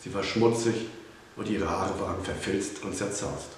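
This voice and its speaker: A man narrating a children's storybook in a calm, measured reading, in an echoey room with faint hiss. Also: deep voice.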